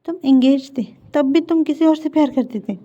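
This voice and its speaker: A woman's voice: sits high, brisk, warm tone, voice pushed up, close to an everyday voice. A woman voicing a prying, teasing young female college friend, in a dull lo-fi recording. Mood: curious.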